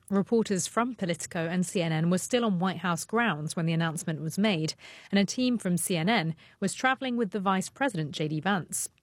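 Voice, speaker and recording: A woman correspondent with a lowish voice. She files a measured, formal news report, recorded dry and close. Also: no echo. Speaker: foreign correspondent.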